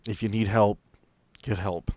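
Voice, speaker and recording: A man with a very low voice talks earnestly and casually as a podcast host. His mic is close and dry, with no room sound. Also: fairly even intonation, a little slow, a little mellow, no room sound. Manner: earnest, apologetic, then joking. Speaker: podcast storyteller. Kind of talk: casual chat.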